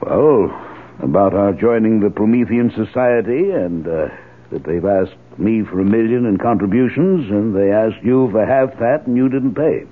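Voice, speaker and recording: A man's voice: on the low side, normal speed, lightly acted. An actor with an American accent playing an anxious, hesitant middle-aged father in a 1970s radio drama. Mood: uneasy. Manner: hesitant, uneasy. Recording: tinny, phone-like old radio broadcast.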